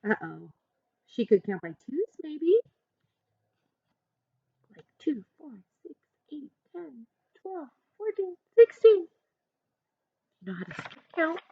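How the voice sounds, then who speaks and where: A woman teacher reading a picture book aloud to children in an expressive way, pausing to ask listeners questions and coach them. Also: high voice, no echo, muffled recording. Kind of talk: animated children's read-aloud with teaching asides.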